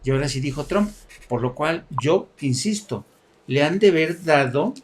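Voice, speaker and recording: A man comments on politics with a teasing, animated sarcasm and frequent laughter. His voice sits a little high for a man. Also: normal speed. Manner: mocking, animated, laughs often.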